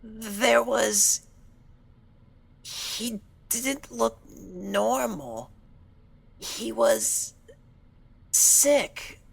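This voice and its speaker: A woman's voice: fairly high pitch, lively intonation, drawn-out words, gravelly, long pauses, husky, heavily acted. A woman voicing a timid, frightened young pony, speaking hesitantly with stammers and apologies in an audio story. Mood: uneasy, hesitant. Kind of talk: dramatic audio story acting.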